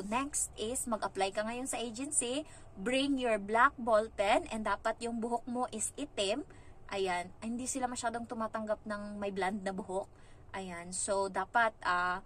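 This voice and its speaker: Chatty and lively, a young woman from the Philippines vlogs about her experiences, slipping into other people's lines as she goes. She has a medium-pitched voice, and there's a faint hiss or hum.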